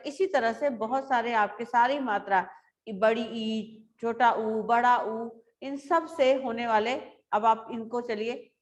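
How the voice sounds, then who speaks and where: A woman teacher giving a grammar lesson to schoolchildren, explaining slowly and repeating words aloud. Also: fairly high pitch.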